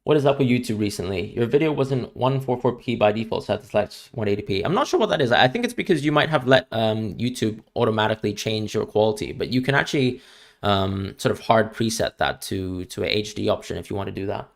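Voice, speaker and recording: Young male streamer from Hong Kong, international school accent, lowish voice, casual Q&A chatter. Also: fast, gravelly. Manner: chatty, repeats words when starting sentences. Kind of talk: live-stream Q&A chat.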